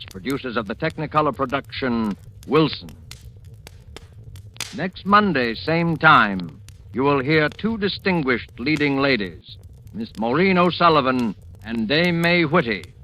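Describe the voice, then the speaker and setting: A male announcer giving a formal, measured closing announcement on a 1940s radio broadcast. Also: medium pitch, pushed and bright, a little hiss or hum. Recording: old radio broadcast with music.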